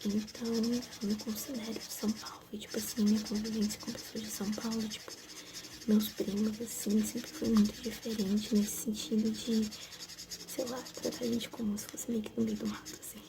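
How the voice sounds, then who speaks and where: Soft-spoken and fairly high-pitched, a woman talks at a moderate pace in a monotone, flat intonation, with audible room echo and noticeable background noise. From Brazil, Minas Gerais. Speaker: ASMR content creator. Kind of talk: ASMR casual chat while coloring. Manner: whispering.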